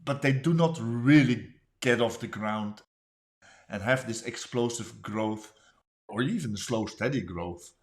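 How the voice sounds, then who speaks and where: A male interviewer with a mid-low, ordinary voice. He asks his questions with some hesitation and restarts, and keeps up a steady stream of short agreements while the guest talks. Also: a little slow. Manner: frequent backchannel, hesitant questions.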